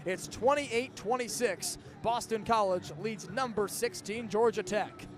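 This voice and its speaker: A man's voice: high-pitched, unhurried, music in the background. A man in his early twenties calling live American football play-by-play in the style of a radio broadcast. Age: early 20s. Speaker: play-by-play sports announcer. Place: outdoor stadium broadcast position.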